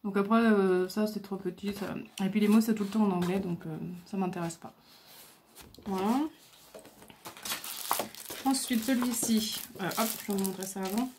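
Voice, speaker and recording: A woman's voice: medium pitch, normal speed, pauses often, darkish tone, a little hiss or hum. A woman chatting casually as she shows off her craft supplies, hesitant and full of fillers, recorded at home on a camera mic. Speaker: crafting video host. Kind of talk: casual show-and-tell.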